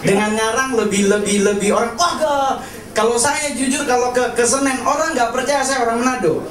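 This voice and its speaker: A man's voice: very high voice, fairly quick. A man doing a stand-up set at an open mic, speaking in a confessional way and acting out other people's lines. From Indonesia. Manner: confessional, keeps repeating "honestly", acts out other people's lines. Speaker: stand-up comedian. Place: comedy cafe stage before a laughing audience. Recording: echoey club sound from a distance, loud crowd laughter.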